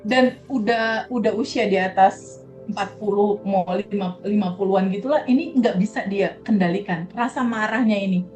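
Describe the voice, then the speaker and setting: A woman speaking as a guest coach in a conversational interview, talking softly and slowly and repeating words for emphasis. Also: medium pitch, soft background music. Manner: soft, slow, reflective, repeats words for emphasis. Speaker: guest coach on emotional release.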